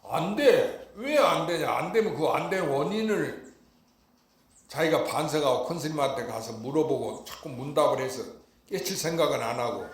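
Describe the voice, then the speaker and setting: A Buddhist monk giving an emphatic Dharma talk, often asking listeners if they understood. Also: male voice, mid-range voice, a little hiss or hum. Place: temple dharma hall. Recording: echoey hall.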